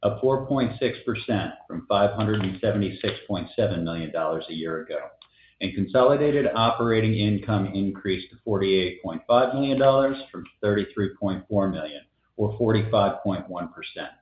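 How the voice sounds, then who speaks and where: A man in the role of a company finance executive, formally reading a scripted earnings presentation. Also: fairly low pitch. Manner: formal, reading prepared figures. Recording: echoey, slightly dull conference call audio.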